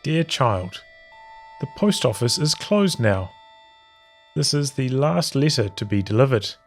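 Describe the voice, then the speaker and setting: A man reading journal entries from a visual novel aloud as storytelling, in measured, halting phrases with pauses. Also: mid-range voice, lively intonation, faint music behind.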